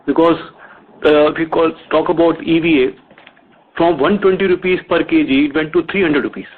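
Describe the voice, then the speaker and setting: Husky, highish Indian man on phone. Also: fairly even intonation, moderate pace. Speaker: company executive answering questions. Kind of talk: earnings call explanation. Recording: narrow phone conference line.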